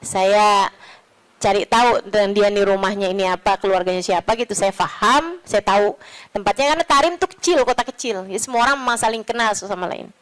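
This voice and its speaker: A woman's voice: mid-range voice, fairly quick, a bit bright, rough recording. A woman preacher giving a chatty, teasing religious talk, often turning to her listeners as friends.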